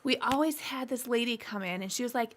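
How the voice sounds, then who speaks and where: A woman with a bright voice and a slightly high pitch chats lightly on a podcast. She tells casual stories in an easy, relaxed way. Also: fairly quick. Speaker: podcast co-host. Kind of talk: casual chat.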